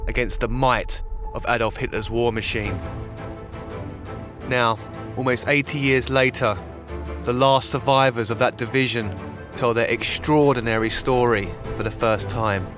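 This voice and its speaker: A man reading scripted documentary narration in a measured, deliberate storytelling manner. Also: mid-range voice. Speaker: narrator, voice-over artist. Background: music bed.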